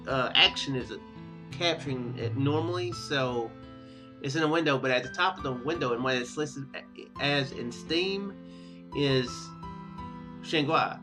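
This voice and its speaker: A man hosting a gaming series in a casual style, hesitant and rambling, talking and reading story text aloud. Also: medium pitch. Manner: hesitant, rambling, self-correcting. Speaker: host of a Let's Play gaming series.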